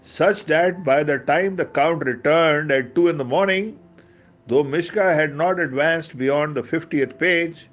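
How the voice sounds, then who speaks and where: A man's voice: fairly high pitch, measured pace. A man with a South Asian accent reads a book aloud as a storyteller, theatrical in delivery, with conversational asides. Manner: theatrical, hesitant in asides, switches between English and Urdu. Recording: dull lo-fi audio with background music. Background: music.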